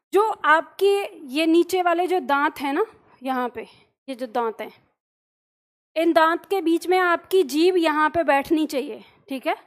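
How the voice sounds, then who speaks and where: Woman teacher, very high pitch, patient, explains step by step. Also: a bit bright. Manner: patient, explanatory, often checks in with listeners. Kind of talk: classroom lesson.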